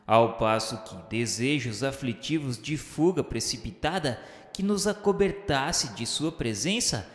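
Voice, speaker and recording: A Brazilian man giving a solemn, dramatic first-person narration for a radio novel, with formal, literary diction. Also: mid-range voice. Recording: echoey hall reverb with music. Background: music.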